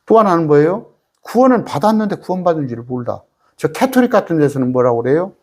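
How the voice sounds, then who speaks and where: A man's voice: a little high, sing-song, fast talker, a little mellow. A male pastor with a Jeolla accent, preaching an emphatic, folksy Bible study sermon full of rhetorical questions. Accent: Jeolla Korean.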